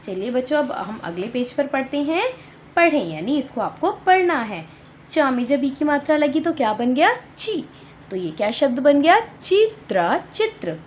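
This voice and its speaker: A woman teaching an online Hindi class for small children, with a high voice that climbs and dips a great deal as she sounds out each syllable slowly. The recording is dull and lo-fi, with a faint hum of ambient noise underneath. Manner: slow, drawn-out syllable-by-syllable dictation for young children; addresses children warmly, explaining words simply. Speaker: primary school Hindi teacher.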